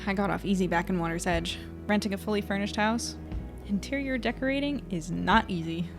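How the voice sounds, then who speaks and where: A woman's voice: medium pitch, a little fast, over music, lightly acted. A woman playing an anxious, self-mocking young reporter in an audio drama, talking in a wry, rambling, hesitant way. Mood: musing. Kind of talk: audio drama acting, intimate diary monologue.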